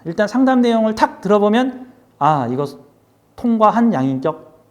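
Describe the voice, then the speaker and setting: A man teaching a recorded class on fortune-telling, lively, asking the class questions and answering them himself, switching between polite and casual speech. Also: high voice, normal speed.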